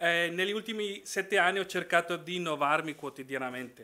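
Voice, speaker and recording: Bright and sharp in tone, a man speaks at a high pitch with ordinary pitch variation. His pace is fairly quick. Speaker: tech entrepreneur, conference speaker. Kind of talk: conference talk with live demo. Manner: halting, with fillers and restarts.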